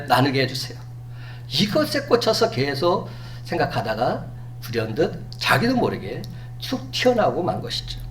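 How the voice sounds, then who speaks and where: A man preaching a sermon as pastor, animated, acting out quoted lines. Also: sits high. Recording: distant mic with faint hum.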